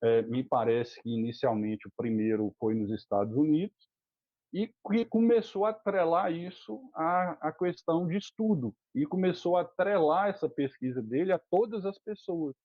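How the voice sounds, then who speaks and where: A man's voice: on the high side, moderate pace, no room sound. A man with a Brazilian Portuguese accent, a guest teacher explaining in an interview, earnest and critical, with many filler words. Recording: tinny phone-like dry line.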